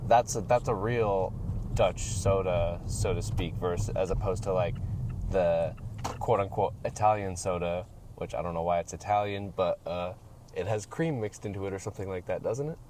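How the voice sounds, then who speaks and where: Young man, low pitch, casual chat, understated, dry, hesitant, moving car, clear road noise. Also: moderate pace, darkish tone. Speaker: podcast guest. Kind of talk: casual chat while driving. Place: driver's seat of a moving car.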